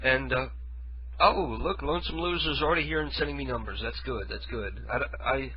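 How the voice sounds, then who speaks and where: A man with a husky, mid-range voice hosts his own internet radio show from his living room, rambling casually and poking fun at himself while stuffed up with a head cold. He talks at a normal speed into a studio mic with headphones, and the sound is lo-fi.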